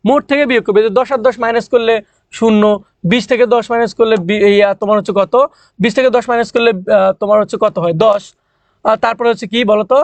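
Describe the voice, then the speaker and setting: Young guy from bangladesh teaching econ, high voice, rattles through it fast, dry close sound. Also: no echo. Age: young adult. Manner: fast, repeats points, quizzes students. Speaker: economics teacher. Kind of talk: online class lecture.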